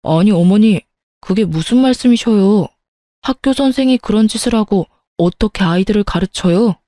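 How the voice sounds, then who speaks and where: A woman's voice: medium pitch, moderate pace, mellow, dry recording, clean studio sound, natural voice. A woman reading as a meek schoolteacher husband. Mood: pleading. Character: husband, a schoolteacher who gives in to his mother.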